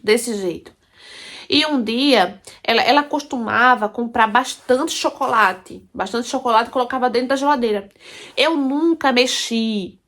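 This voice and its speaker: A woman telling a first-person life story, emphatic and repetitive, often turning to her listeners. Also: on the high side.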